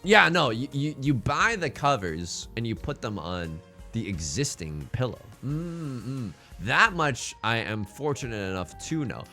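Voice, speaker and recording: A young Mandarin-first streamer, born in China and raised in the United States, games at his home setup after a long, exhausting day, bantering fast and crudely with chat. His mid-range voice is sing-song, pushed and bright, with faint music behind him.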